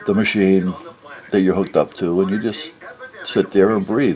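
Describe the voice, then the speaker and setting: A man speaks over noticeable background noise. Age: 60s. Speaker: vlogger. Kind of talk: casual monologue. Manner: rambling, halting with fillers.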